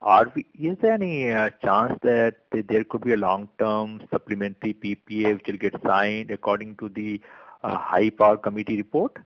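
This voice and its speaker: A man's voice: fairly low pitch, normal speed, no echo. An Indian-accented man, a financial analyst putting formal questions on a conference call. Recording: dull, dry phone conference line.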